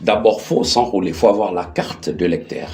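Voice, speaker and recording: A middle-aged male interview guest with a Congolese accent. His voice sits low and deep. He explains things conversationally, with halting phrases that he often restarts and repeats. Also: warm tone. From Democratic Republic of the Congo. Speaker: interview guest, political activist.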